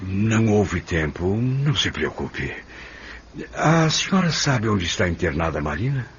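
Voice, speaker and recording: Bereaved polite father, very low, slow, subdued, muffled sound. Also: very animated, full character voice. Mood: subdued grief. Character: grieving, courteous middle-aged father. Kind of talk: radio drama acting. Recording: muffled telephone scene, faint noise.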